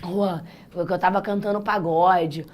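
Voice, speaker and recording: A Brazilian woman with a naturally husky, hoarse voice, teaching a live online exam-prep class in an informal, encouraging, chatty way. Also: on the low side, fairly even intonation, unhurried. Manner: chatty, encouraging, addresses students directly. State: hoarse, voice worn out. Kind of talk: live online lesson, informal pep talk.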